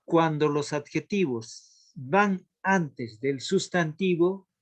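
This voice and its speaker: A man teaching a literature class, explaining slowly and repeating key terms so students can take notes. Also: a little high, a little mellow. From Latin America. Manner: slow, repeats key terms for note-taking. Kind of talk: classroom lesson.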